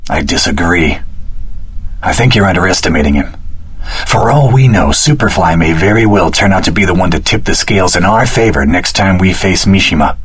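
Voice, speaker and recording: An actor playing an earnest, determined young swordsman hero in a video game, with a husky voice and a wry, dramatic delivery. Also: deep voice, expressive, a little fast, a bit bright, heavily acted. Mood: indignant, resolute. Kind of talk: dramatic action-game character dialogue.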